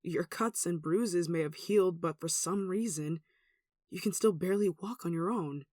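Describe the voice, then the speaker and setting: A performer with a mid-pitched voice playing an anxious, devout, caring villager in an earnest, hesitant ASMR roleplay. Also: normal speed, no echo, clean studio sound, close to an everyday voice. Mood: worried, caring. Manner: earnest, hesitant, soft sighing delivery. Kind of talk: ASMR roleplay audio drama.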